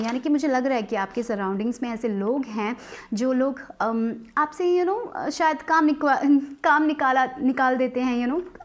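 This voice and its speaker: A woman tarot reader giving a casual, reassuring card reading to her viewers. She slips English words and phrases into her sentences and often adds small checks with her listeners. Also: fairly high pitch. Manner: reassuring and advising, with frequent filler checks.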